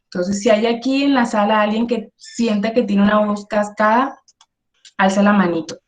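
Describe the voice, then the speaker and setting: Energetic woman teaching, echoey room. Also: mid-range voice, moderate pace. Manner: energetic, emphatic, asks "¿sí?" often. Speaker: workshop instructor. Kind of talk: online workshop lecture.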